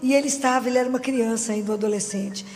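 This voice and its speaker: A woman's voice: on the high side, fairly even intonation, very fast, darkish tone. A middle-aged woman with a Minas Gerais accent preaching a conversational sermon and keeping the audience engaged with frequent questions. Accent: Minas Gerais Brazilian Portuguese. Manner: chatty, keeps asking the audience for agreement. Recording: long hall reverb with faint music.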